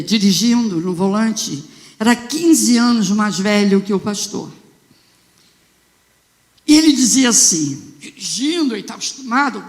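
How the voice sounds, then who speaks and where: A woman with a Brazilian accent, a bishop telling a story in a sermon, fervent and swelling into loud exclamations. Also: mid-range voice. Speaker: bishop preaching. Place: church sanctuary. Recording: long church reverb.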